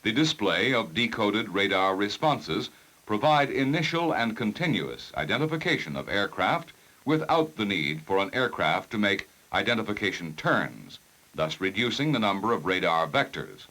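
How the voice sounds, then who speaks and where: A man reading scripted technical narration for a 1960s instructional film in a formal, measured, precise manner. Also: on the low side, sing-song, pushed and bright, rough recording.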